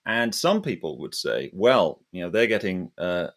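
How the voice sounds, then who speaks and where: A man's voice: low voice, big pitch swings, normal speed. A man hosting an interview, asking casual, rambling questions with frequent hesitations. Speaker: interviewer and host.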